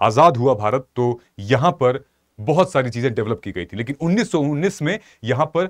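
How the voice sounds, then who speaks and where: A man speaks at a fairly high pitch with very wide pitch swings. The background is quiet. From eastern Uttar Pradesh, Ghazipur; Uttar Pradesh, India. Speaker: exam-prep educator. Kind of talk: news explainer video lecture. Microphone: lapel.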